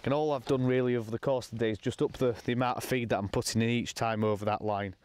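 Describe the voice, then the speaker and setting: A young man talking casually to camera while fishing from a lake bank outdoors, explaining his session in a relaxed, matter-of-fact way. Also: mid-range voice, quick pace, a little hiss or hum. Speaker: angler presenting a fishing session.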